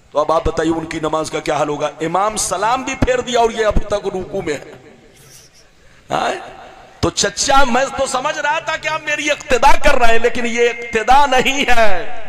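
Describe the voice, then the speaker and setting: A man preaching a sermon who keeps calling on the audience to shout replies. He swings between loud declamation and soft, sing-song phrases. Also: high voice. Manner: call-and-response, urging the crowd to repeat loudly.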